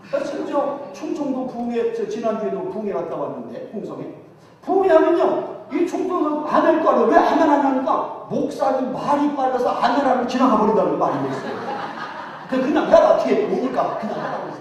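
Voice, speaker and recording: An older male revival preacher with a Chungcheong Korean accent delivers his sermon in a high, animated voice. He jokes with the congregation as he preaches. The sound is distant, ringing through a big echoing church hall. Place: large church sanctuary. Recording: echoey hall, distant mic.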